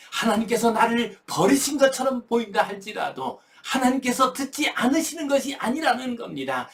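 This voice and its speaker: A man preaching a sermon as pastor, earnest and impassioned, asking rhetorical questions, rising on key phrases and sinking low at the ends of sentences.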